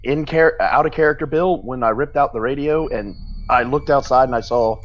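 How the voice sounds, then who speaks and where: A man's voice: mid-range voice, normal speed. Man, player, dull lo-fi mic, faint music, rambling. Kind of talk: casual game chat.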